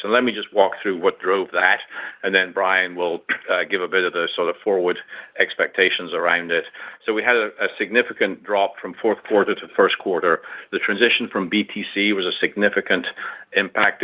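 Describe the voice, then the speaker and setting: A man, a company executive, answering analyst questions on a conference call in a measured, explanatory way. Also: low-pitched. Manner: measured, explanatory, some fillers. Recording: tinny phone line.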